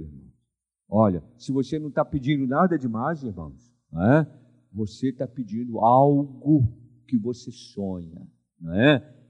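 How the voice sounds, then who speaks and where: A man's voice: medium pitch, husky, muffled recording. An older man, preaching a sermon as pastor and often asking the congregation for an amen. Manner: animated preaching with frequent call-and-response questions to the congregation.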